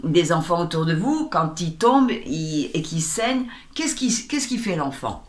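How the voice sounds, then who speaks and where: Animated woman guest in echoey room. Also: fairly low pitch, a little slow. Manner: animated, acts out little everyday scenes. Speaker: sound healer and spiritual guide. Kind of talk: interview guest.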